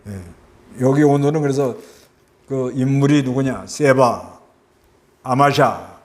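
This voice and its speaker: A man with a Busan Gyeongsang accent gives a sermon in an easy, talking style. He keeps asking the congregation questions and briefly acts out the people in the story. His voice sits at an ordinary middle pitch for a man. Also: takes it slowly, darkish tone. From South Korea. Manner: conversational preaching with rhetorical questions and acted-out voices. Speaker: pastor.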